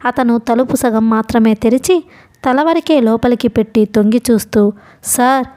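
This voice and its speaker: Woman, audiobook narrator, steady measured reading, mellow tone, fairly high voice. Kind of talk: scripted novel narration.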